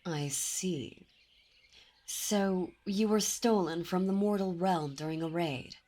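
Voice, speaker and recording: A woman's voice: fairly low pitch, slow, mellow. A woman voicing a commanding, seductive demon princess in an ASMR roleplay, speaking in a teasing, imperious and intimate way. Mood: intrigued.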